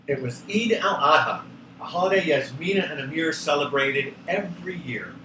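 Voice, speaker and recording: A man with a high voice narrates a children's story in a very animated, theatrical way. He sounds a little distant in an echoey room. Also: moderate pace, noisy background. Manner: expressive, theatrical. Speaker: children's book author and co-reader.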